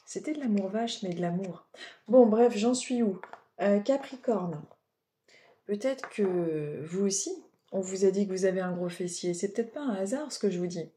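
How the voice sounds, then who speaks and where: A woman's voice: mid-range voice, moderate pace, mellow, slight background noise. A woman with a French accent giving oracle card readings in a casual, rambling way, full of fillers and asides. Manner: chatty, rambling, digressive with many fillers. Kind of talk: casual spiritual guidance talk.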